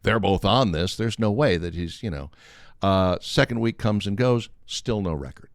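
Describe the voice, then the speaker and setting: Older man, deep and animated. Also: moderate pace, dry recording, studio quality. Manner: animated, acts out quoted dialogue. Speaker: storyteller on a talk show. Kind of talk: casual humorous anecdote telling.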